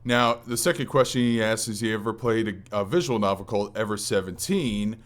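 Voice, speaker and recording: A male podcast host with a fairly low voice talks casually about games. He rambles hesitantly, backing up and rephrasing his thoughts as he goes. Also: fairly quick. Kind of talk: casual gaming podcast chat.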